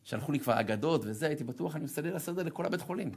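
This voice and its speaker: A rabbi giving a sermon, telling a personal story with humor and acting out the voices of others. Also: male voice, gravelly, slightly rough. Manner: animated, humorous, self-deprecating storytelling; acts out dialogue with sharp pitch jumps.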